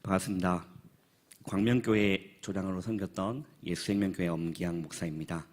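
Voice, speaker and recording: A man in his thirties, a pastor, giving an earnest spoken report at a church forum, with halting speech and many filler pauses. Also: deep voice, fairly even intonation, background noise. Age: 30s.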